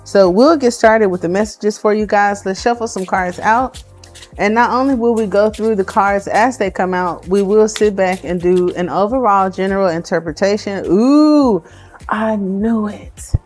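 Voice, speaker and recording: A woman doing a casual tarot card reading for her viewers, chatty and excitable as she thinks aloud. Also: mid-range voice, moderate pace, soft background music.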